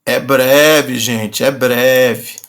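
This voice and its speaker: A male teacher gives an online class, patiently repeating and slowly drawing out words. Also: medium pitch, fairly even intonation, a bit bright.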